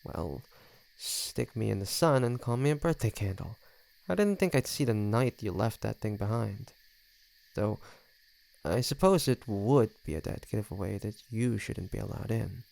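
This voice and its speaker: Man voicing a smug, creaky low-voiced flirty vampire. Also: animated, normal speed, darkish tone, rough recording. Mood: wry, sardonic. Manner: teasing, smug, sardonic. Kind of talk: scripted audio roleplay addressed to the listener.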